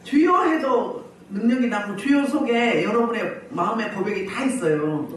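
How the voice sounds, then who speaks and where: A woman pastor preaching a healing service sermon, animated, often putting questions to the congregation and laughing as she goes. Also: medium pitch, moderate pace, a little hiss or hum. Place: church hall. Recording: very echoey hall, mic at a distance.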